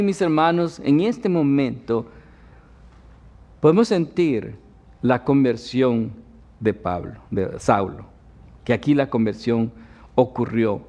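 A man's voice: a little high, darkish tone. A man giving a conversational sermon as pastor, often checking in with his listeners. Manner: conversational preaching with frequent tag questions.

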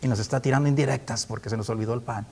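A man's voice: mid-range voice, fairly even intonation, rapid-fire, vocal fry, a little mellow, a little hiss or hum. A man preaching in a conversational Bible-teaching style, asking rhetorical questions, constantly checking in with his listeners, and chuckling often. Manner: rhetorical questions with frequent tag questions.

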